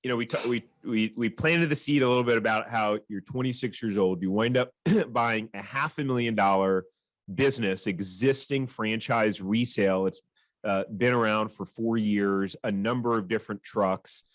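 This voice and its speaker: A man's voice: lowish voice, normal speed, no room sound. A man hosting a franchise podcast, talking in an upbeat, enthusiastic way with his guest. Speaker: podcast host. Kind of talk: podcast interview.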